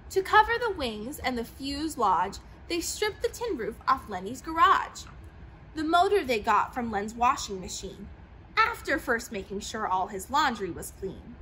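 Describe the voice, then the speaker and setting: A young woman reading a rhyming picture book aloud with an expressive, sing-song delivery, seated in an old plane in a large museum hangar. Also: on the high side, unhurried, slight background noise, poor audio. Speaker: storyteller.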